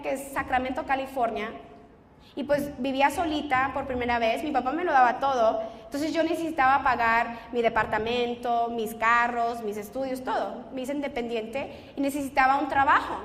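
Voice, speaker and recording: A woman's voice: high voice, normal speed. A young woman giving a personal testimony with strong feeling, acting out what she and others said. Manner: emotional, reenacts dialogue. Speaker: testimony speaker. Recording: echoey hall with long reverb.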